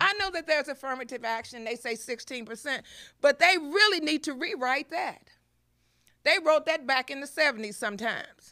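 Speaking with an American accent, a woman projects a raised, high voice with a bright, sharp tone, lively intonation and big swings in loudness. She keeps a moderate pace on a very clean recording with a silent background. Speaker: community activist. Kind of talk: interview.

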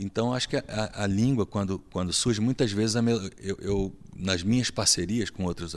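In a Brasília accent, a man speaks with a fairly low pitch and ordinary pitch variation. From Brazil, Brasília. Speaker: singer-songwriter. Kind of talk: interview. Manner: hesitant, repeats words.

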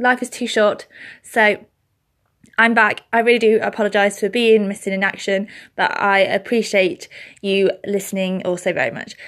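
An ordinary speaking voice, a woman at medium pitch uses fairly even intonation on a very clean recording with a silent background. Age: 30s. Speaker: podcast host. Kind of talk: casual solo monologue. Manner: rambling, fast run-on speech.

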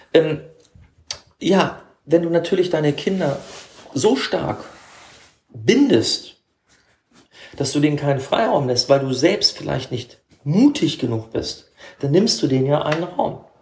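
A man speaks at a fairly high pitch with lively intonation. He leaves long, frequent pauses. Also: fairly slow pace. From northern Germany, Hannover. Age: 40s. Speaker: spiritual coach, former nightclub owner. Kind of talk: casual chat.

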